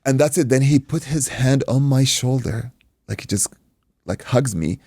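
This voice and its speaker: A man from Iraq, a native Arabic speaker, telling an animated anecdote in casual podcast chat, acting out dialogue and swearing freely. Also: mid-range voice, normal speed, dry recording, studio quality. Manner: acts out dialogue, swears, says "dude". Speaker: podcast guest, martial arts coach and stunt performer.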